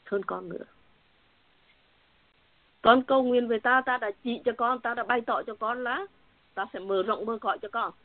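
A woman's voice: a little high, moderate pace, long pauses, dry recording, voice pushed up. Woman speaking as God, fatherly, admonishing, tender and stern, tinny phone-like sound, dry.

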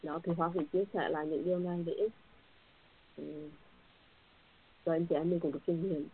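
A church member with a low voice speaks at a moderate pace in a level tone, giving an earnest faith testimony to fellow believers that is somewhat repetitive and occasionally emotional. There is slight background noise, and she comes through a tinny, phone-like line.

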